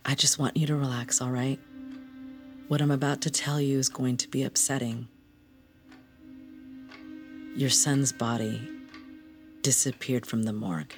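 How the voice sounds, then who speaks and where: An actor playing a gentle, careful doctor who speaks softly and measuredly in an audio drama. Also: medium pitch, steady tone, soft background music, natural voice. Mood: consoling. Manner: soft, measured, consoling.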